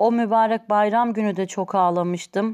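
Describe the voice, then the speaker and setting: A woman's dark, mellow tone, monotone and flat, at a moderate pace. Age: 40s. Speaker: viewer asking a question. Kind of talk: question to a religious scholar.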